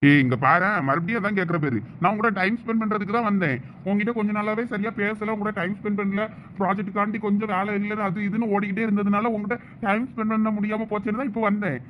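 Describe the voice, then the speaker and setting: Young man for a comedy skit, pleading and playful, quick talker, faint noise. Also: high voice, fairly even intonation. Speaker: sketch actor. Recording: dull lo-fi recording.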